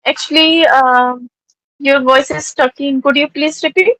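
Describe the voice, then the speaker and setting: Slow high-voiced Indian woman. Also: fairly even intonation, fairly bright tone, no room sound, poor audio. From North India. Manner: hesitant, frequent uh fillers. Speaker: tutor practicing English conversation. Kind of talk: casual conversation practice.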